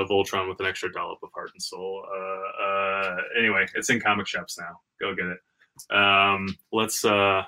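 A man with a lowish but bright, forward voice co-hosts a podcast on a video call. He sounds tired, and his casual talk comes out halting and self-deprecating. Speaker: podcast co-host. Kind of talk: casual chat.

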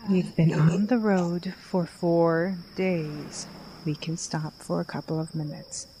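An actress playing a level-headed woman who tries to keep the peace, speaking in a measured, placating way in an audio drama. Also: lowish voice, steady tone, mellow, a little hiss or hum. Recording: music bed under voice.

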